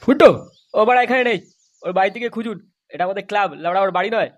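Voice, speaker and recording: A man's voice: sits high, racing, close to an everyday voice. A man voicing an irritable, foul-mouthed young club member in a comic cartoon dub. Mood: irritated.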